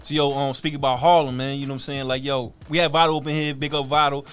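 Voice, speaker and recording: A man's voice: mid-range voice, little pitch movement, rapid-fire, fairly bright tone. A man interviewing casually, chummy and full of slang and hype. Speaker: radio interviewer. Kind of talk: casual hip-hop interview.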